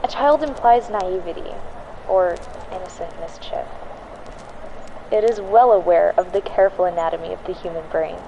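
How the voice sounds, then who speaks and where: An actor playing a haunted, grim woman reporter of the 1940s, giving a deliberate, ominous monologue on an old tape in an audio drama. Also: fairly low pitch, vocal fry, dark tone, dull audio, a little hiss or hum.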